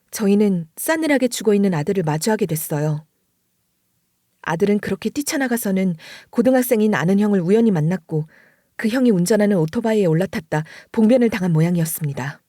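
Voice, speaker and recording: A woman's voice: medium pitch, mellow. A middle-aged woman reads a dramatic story aloud, her voice swinging widely as the emotion climbs. The sound is dry and close, with no room echo. She narrates with feeling and scolds with heat. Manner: emotional, shifts into heated scolding.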